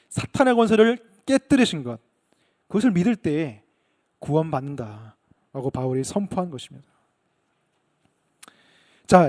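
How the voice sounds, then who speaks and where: High-voiced Korean pastor preaching. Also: male voice. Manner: emphatic preaching, acts out shouted quotes. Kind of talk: sermon.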